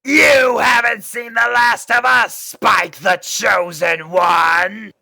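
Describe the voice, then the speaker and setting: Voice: medium pitch, steady tone, slow pace, creaky, sharp tone, dry recording, pitched above the performer's own voice, full character voice. A narrator voicing a threatening, melodramatic male ninja pony villain in a storybook reading. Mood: menacing.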